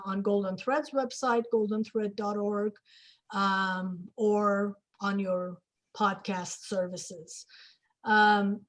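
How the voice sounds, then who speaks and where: A woman's voice: mid-range voice, darkish tone. A woman hosting a casual conversation, asking questions in an informal interview style. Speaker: host of a discussion with theater performers.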